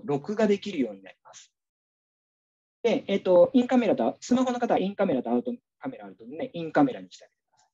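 A man's voice: high voice, dark tone, breathy edge, lo-fi sound. A man teacher giving a casual, chatty online workshop, walking the audience through a demo with many fillers.

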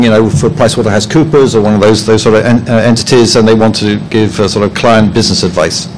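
Halting, dry-humored man giving a talk. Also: mid-range voice, slight background noise, low-quality recording. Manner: hesitant, with many ums and restarts; dry, self-deprecating humor. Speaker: conference presenter, head of publishing. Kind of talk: conference presentation. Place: conference room.

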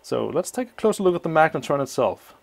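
A man explaining a teardown of an old appliance at a workshop bench, thinking aloud with many pauses, his voice slightly muffled by a mask. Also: a little high, very animated, gravelly. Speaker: electronics teardown host. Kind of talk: hands-on technical walkthrough.

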